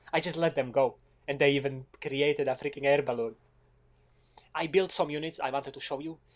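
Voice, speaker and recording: A man speaks with a Slovak accent at a fairly high pitch. His intonation stays fairly even, broken by long, frequent pauses. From Slovakia. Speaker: gaming commentator. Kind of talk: gameplay commentary. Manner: casual, halting with restarts.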